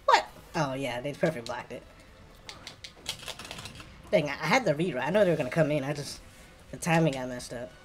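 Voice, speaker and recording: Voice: mid-range voice, lively intonation, a little fast, long pauses. A streamer with an African American English accent, giving casual, slangy live game commentary and muttering reactions to the play. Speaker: gaming streamer. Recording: clear background noise with keyboard clicking.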